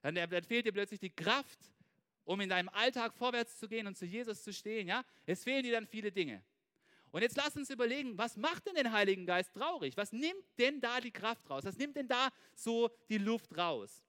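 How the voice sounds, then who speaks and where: A man giving an informal, animated sermon, talking straight to his listeners and checking in with them constantly. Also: sits high, normal speed. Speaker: preacher.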